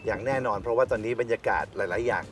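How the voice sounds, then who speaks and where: A man's voice: mid-range voice, racing, background noise. An older man, the father of a family travel show, chatting and joking outdoors at a lakeside. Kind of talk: casual family chat. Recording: distant voice with music behind.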